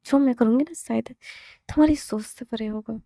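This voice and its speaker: A woman's voice: a little high, normal speed, vocal fry, dark tone, no room sound, clean studio sound. A woman voicing a brazen, defiant young female student in a storybook romance, cheeky and combative as she talks back.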